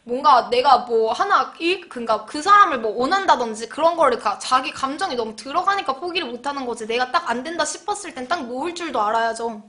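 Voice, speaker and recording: A woman in her twenties hosting a live-stream advice call-in, giving blunt, brisk advice and murmuring soft acknowledgements. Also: high-pitched, lively intonation. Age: 20s.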